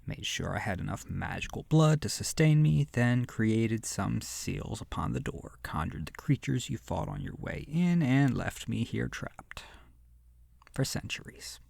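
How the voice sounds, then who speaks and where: Slow, creaky, seductive vampire, acted out by someone. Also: medium pitch, lively intonation, darkish tone, no echo, studio quality, heavily acted. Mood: wistful, bitter. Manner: slow, breathy near-whisper, theatrical and menacing. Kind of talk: scripted horror audio roleplay, ASMR.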